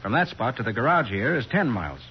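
An actor playing a confident, methodical private detective in a 1940s radio drama. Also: male voice, mid-range voice, very animated, slight background noise, natural voice. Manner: quick, methodical reasoning. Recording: tinny, dull 1940s radio recording.

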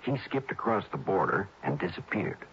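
An actor playing an earnest, worried male friend who explains in halting, hesitant phrases in an old radio drama. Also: sits low, big pitch swings, a bit bright, a little hiss or hum, heavily acted. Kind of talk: 1950s-60s radio drama acting. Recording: dull old radio broadcast.

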